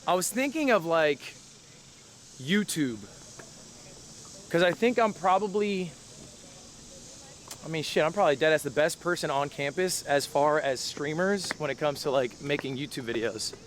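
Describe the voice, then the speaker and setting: A man's voice: on the high side, animated, normal speed, long pauses, a little hiss or hum. A young man streaming casually, joking and swearing freely as he talks to his chat and plays a professor. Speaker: streamer playing a university professor.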